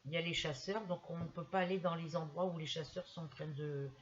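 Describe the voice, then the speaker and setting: A hoarse woman vlogger chatting casually while she crochets, telling rambling stories with many fillers and restarts. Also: low voice, fairly even intonation, fairly quick, dull audio.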